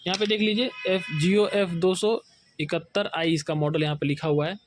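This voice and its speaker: A man's voice: high-pitched, steady tone, moderate pace. A man from India explaining a phone repair step by step at his workbench, often pointing out what to look at carefully. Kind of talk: hands-on repair tutorial.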